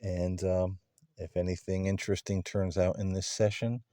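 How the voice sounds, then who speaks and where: A man hosting a paranormal session, addressing spirits in a gentle, polite and earnest manner. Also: sits low, flat delivery, normal speed, no room sound, clean studio sound. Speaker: host of paranormal contact sessions.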